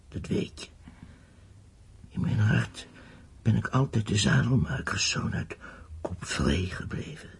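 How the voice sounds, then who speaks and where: A male actor in a radio play as an ailing, modest blind inventor, speaking haltingly with a breathy, coughing voice. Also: lowish voice, heavily acted. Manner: halting, humble.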